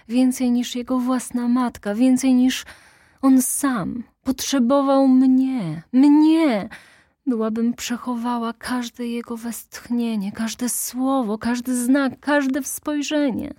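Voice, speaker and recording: A woman's voice: on the high side, steady tone, a little slow, few pauses, a little mellow, slightly rough, dry recording, clean studio sound, pitched above the performer's own voice. A woman voicing a grieving young woman who pleads in tearful bursts and whispers, in an audiobook reading. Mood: pleading. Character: grieving young woman, Kurtz's fiancée, desperate.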